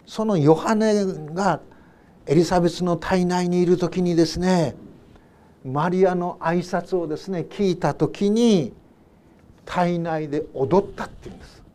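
A male pastor giving a Sunday sermon, reading Bible verses and explaining them in an unhurried way with soft asides. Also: high-pitched. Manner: reads scripture verses aloud and then paraphrases them. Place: church service.

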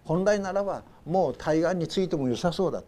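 Man, pastor, sermon, storytelling, dark mellow tone, slightly high voice, soft low asides. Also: animated, fairly quick. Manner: storytelling, acting out quoted cries.

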